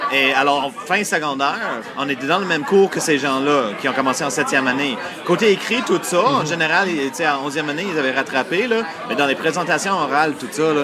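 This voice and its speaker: Over crowd noise in the background, a man with an English accent talks at a fairly high pitch and a fairly quick pace with ordinary pitch variation. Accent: English-speaking accent in French. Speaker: father raising bilingual children. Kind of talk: podcast interview answer. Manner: casual, conversational.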